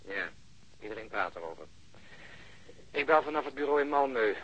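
A man playing a blunt, cynical policeman in a radio drama, talkative and sardonic, with a rough voice over a phone line. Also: medium pitch, lively intonation, moderate pace, a bit bright. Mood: matter-of-fact. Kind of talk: Dutch radio drama acting. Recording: muffled band-limited phone line.

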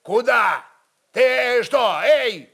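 A man's voice: very high voice, lively intonation, drawn-out words, vocal fry, a bit bright, pitched above the performer's own voice, heavily acted. A man voicing a stern, irritable noble governor in a dramatized reading, insistent and scolding as he demands obedience.

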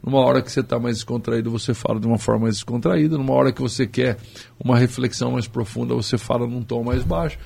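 A man's voice: mid-range voice, fairly even intonation, fast talker, creaky, a little mellow, slightly rough. A man on a radio discussion, giving advice in an explanatory, instructive way. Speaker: guest commentator.

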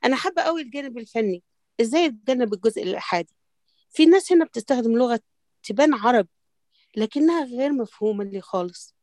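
A woman's voice: fairly high pitch, animated, fast talker, warm tone, no echo, natural voice. Woman acting as a conservative Egyptian woman, earnest and lecturing, dry close sound. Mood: upset. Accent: Egyptian Arabic. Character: conservative woman troubled by free thinking. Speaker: actor rehearsing a play. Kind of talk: stage play rehearsal.

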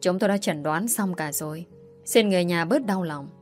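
A man voicing a calm hospital doctor. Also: sits high, brisk, soft background music, lightly acted. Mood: matter-of-fact. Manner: calm, explanatory. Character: calm male hospital doctor, matter-of-fact.

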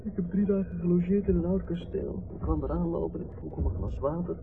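An actor playing a dazed young hitchhiker who has just woken, in a Dutch radio play. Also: male voice, high voice, fast, creaky. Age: young adult. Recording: muffled, noisy old radio play recording.

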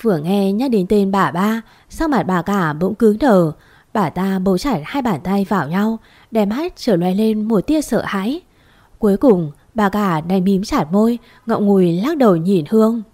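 A woman's voice: mid-range voice, lively intonation, normal speed, dark tone. Woman narrating a dramatic family story.

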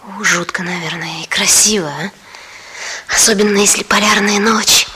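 A woman's voice: medium pitch, fairly even intonation, normal speed, noisy background, lightly acted. An actress playing a kind, curious woman who coaxes stories out of her guest, in 1960s radio drama style.

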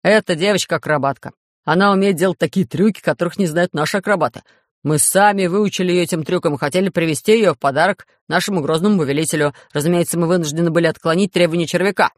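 A man's voice: fairly high pitch, quick pace, no echo, clean studio sound, natural voice. A man doing a bold young mole warrior. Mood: earnest. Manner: loud, defiant.

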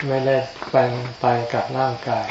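A man giving an informal Buddhist sermon as a monk, in a low-key murmur, with short phrases and pauses. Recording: echoey, dull lo-fi, noisy with insects.

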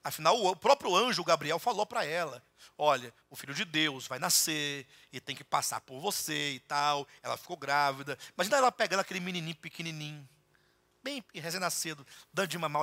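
A man with a Brazilian Portuguese accent preaching a sermon as a bishop, acting out dialogue and rising to loud, emphatic peaks. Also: on the high side, animated, fairly quick. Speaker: bishop preaching a Bible study. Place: church.

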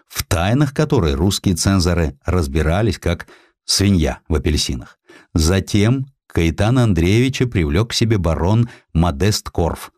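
A man reading a historical literary sketch in an expressive storytelling manner. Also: low voice, dry recording, clean studio sound. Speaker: audiobook narrator.

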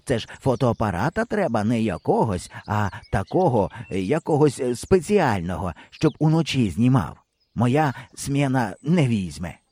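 A man's voice: medium pitch, big pitch swings, moderate pace, dark tone, no room sound. A man reading an audiobook, voicing a timid boy who speaks unsurely and hesitantly.

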